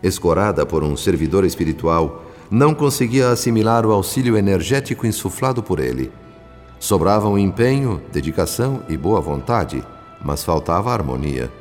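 Low, reverberant solemn spirit narrator. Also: male voice, a little mellow. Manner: solemn, literary, measured. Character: solemn male spirit narrator recounting events he witnessed. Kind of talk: dramatized scripted narration. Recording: long hall reverb, faint music behind.

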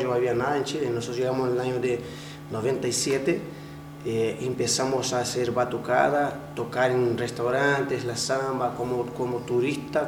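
A Brazilian-accented man in his forties talks through his answers in a casual, halting way, often restarting his phrases. His voice sits at an ordinary middle pitch. The room is echoey, and clear background noise runs under his speech. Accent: Brazilian Portuguese. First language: Portuguese. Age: 40s. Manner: hesitant, many restarts, laughs while telling stories. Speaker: interviewee, samba percussionist.

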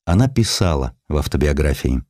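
A man narrates history. His delivery is theatrical and highly expressive, with wide swings of intonation. The sound is dry and close, as in a scripted audiobook. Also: brisk, dry recording.

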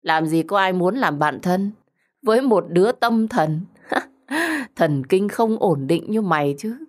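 A woman's voice: on the low side, lively intonation, normal speed, close to an everyday voice. A woman voicing a cruel, treacherous young woman in an audio story, with a mocking, condescending and sarcastic manner. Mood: sarcastic, taunting.

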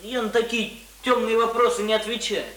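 An actor in a radio play playing a plain-spoken, cocky young village student explaining things simply. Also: male voice, extremely high pitch, level tone, brisk, fairly bright tone. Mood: matter-of-fact. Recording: roomy, echoing radio drama recording.

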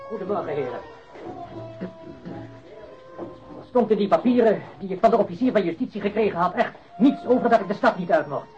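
A man's voice: high voice, expressive, fast talker, over music. A muffled radio drama recording of a cornered male suspect. His voice moves up and down a lot as he stammers, evasive, indignant and pleading. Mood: stiffly indignant. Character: cornered male crook, protesting his innocence, evasive, nervous. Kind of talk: radio play acting.

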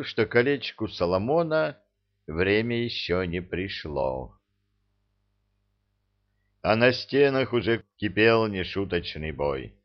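A man narrating an audiobook fantasy story in an animated, theatrical reading. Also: mid-range voice, muffled recording.

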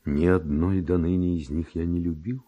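A very deep, dark, steady male voice plays Don Juan, the passionate seducer, ardent and pleading in a seductive mood. He declaims slowly with rhetorical courting, in the style of classic Russian radio drama verse acting.

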